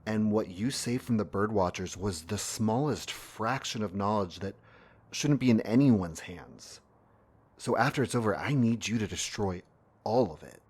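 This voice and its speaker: Audio drama partner, played by a man: deep, grave and gentle, tired and ailing, quietly knowing, measured delivery. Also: lively intonation, breathy edge. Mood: grave, insistent. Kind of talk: fiction podcast acting.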